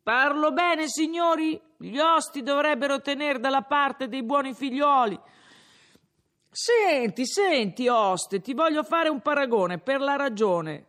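A man's voice: extremely high pitch, expressive, measured pace, sharp tone, pitched above the performer's own voice, exaggerated voice. A man playing a rambling drunk young peasant. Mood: drunken boasting. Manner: slurred, boastful, rambling.

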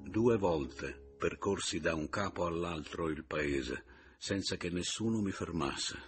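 A man reading a literary novel aloud as an audiobook narrator, in a measured, reflective first-person voice. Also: low voice, faint music behind.

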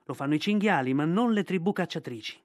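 Man, audiobook narration, measured, expressive, dry. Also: on the high side, no echo. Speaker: audiobook reader. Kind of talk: literary reading aloud.

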